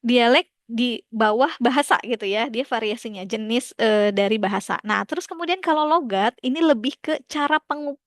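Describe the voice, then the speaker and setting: A woman's voice: on the high side, normal speed, no echo, clean studio sound. A young woman teaching a class, talking casually, laughing often and asking students questions, with many fillers.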